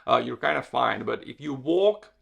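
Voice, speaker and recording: A man's voice: mid-range voice, lively intonation, normal speed, gravelly, husky, highs cut off. A man from Latvia, hosting a solo podcast in a direct, conversational way and often correcting himself mid-sentence. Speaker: podcast host and dating coach.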